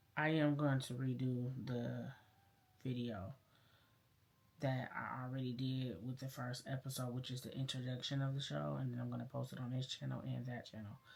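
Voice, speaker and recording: A soft-spoken woman's voice, very deep and low in pitch, with fairly even intonation and a moderate pace. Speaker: vlogger. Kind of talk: casual vlog.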